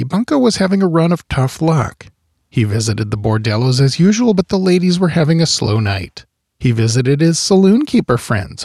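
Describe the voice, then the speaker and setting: Guy reading a history story, wry dry jokes, voice swings up and down a lot, kinda raspy. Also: medium pitch, darkish tone, no room sound. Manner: wry, dry humorous asides. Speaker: history podcast host. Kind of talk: scripted historical narration.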